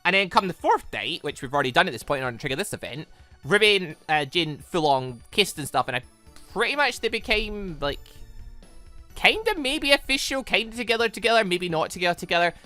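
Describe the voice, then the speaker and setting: A gaming host giving excitable, rambling commentary and reading visual novel dialogue aloud, often repeating words. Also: medium pitch, fairly quick. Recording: music behind the voice. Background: background music.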